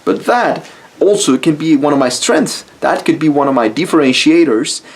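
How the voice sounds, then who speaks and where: A man's voice: fairly high pitch, animated, normal speed. Mexican-accented man giving blunt advice. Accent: Mexican Spanish. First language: Spanish. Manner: blunt, casual, swears freely. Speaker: YouTube style coach. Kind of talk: motivational talk to camera.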